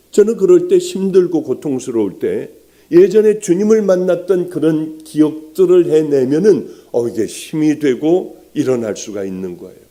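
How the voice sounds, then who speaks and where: An older man preaching a sermon as a pastor, telling a personal testimony with strong emotion and often dropping to hushed, near-whispered words. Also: on the high side.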